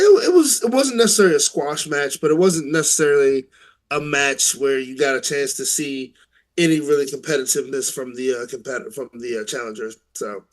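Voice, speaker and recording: A man with a somewhat high voice co-hosts a casual wrestling podcast. He talks in a halting way, restarting his sentences and laughing along with his partner. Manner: halting, repeats words and laughs often. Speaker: podcast co-host.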